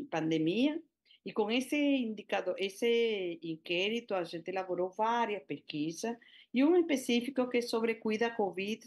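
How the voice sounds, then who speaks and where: A middle-aged woman with a Spanish accent presents over a video call, pausing on fillers and starting her sentences over as she goes. She speaks Portuguese as a second language. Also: mid-range voice, a little mellow. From Venezuela. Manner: hesitant, many fillers and restarts. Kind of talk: public hearing presentation.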